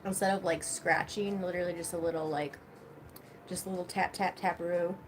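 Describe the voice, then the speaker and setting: A woman's voice: on the low side, fairly even intonation, a little fast, a little hiss or hum. A young woman hosting a casual livestream, chatting loosely and swearing freely while she eats. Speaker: livestream host.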